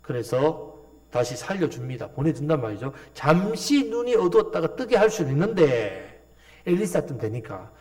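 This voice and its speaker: Middle-aged male pastor, fairly high voice, very lively intonation, animated sermon delivery with rhetorical questions. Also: normal speed. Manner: animated preaching, rhetorical questions, mock quoting of characters.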